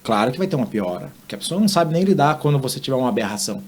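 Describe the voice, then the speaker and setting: A man speaking as a guest on a podcast interview, explaining his work as a therapist in a calm way. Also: medium pitch, racing, slight background noise. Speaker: interview guest, physiotherapist and hypnotherapist. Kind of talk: conversational interview.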